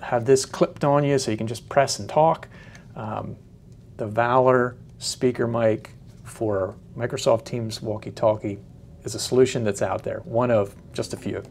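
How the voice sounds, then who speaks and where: A man giving a casual, unscripted product demonstration in a hesitant, halting way, often searching for words. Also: medium pitch, a little mellow, a little hiss or hum. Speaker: product reviewer.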